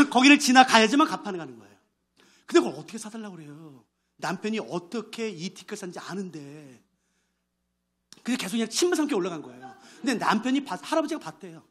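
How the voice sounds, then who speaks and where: A man's voice: high voice, very animated, fast, a bit bright, husky. A male pastor preaching a sermon, telling a story with great animation and acting out its characters' voices.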